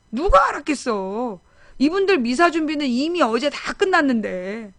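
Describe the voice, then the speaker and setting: Middle-aged woman, live-stream talk host, somewhat high voice, emphatic, repeats herself, dry close sound. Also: no echo. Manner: emphatic, animated, repeats phrases for effect. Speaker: political talk show host. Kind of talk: casual live-stream monologue.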